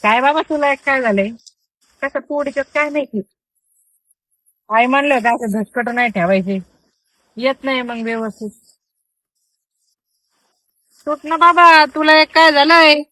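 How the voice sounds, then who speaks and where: A woman's voice: high voice, measured pace, long pauses, bright, forceful tone, no room sound, poor audio. A young woman with a rural Marathi accent talking to herself during farm chores, grumbling and scolding the animals. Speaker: farm housewife vlogger. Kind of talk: casual monologue during chores. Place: rural farmyard outdoors with goats.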